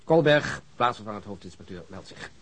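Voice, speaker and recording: Jaded cop second in command, wry n blunt, slightly deep, radio drama. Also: male voice, expressive, fairly quick, breathy edge. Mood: grudging, resolute. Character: world-weary, blunt male deputy chief inspector, homesick family man. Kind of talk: naturalistic radio drama acting.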